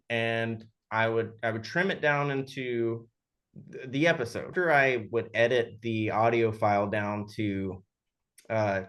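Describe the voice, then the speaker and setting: Informal man chatting, thinking aloud. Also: medium pitch. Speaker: sound designer being interviewed. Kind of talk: casual interview chat.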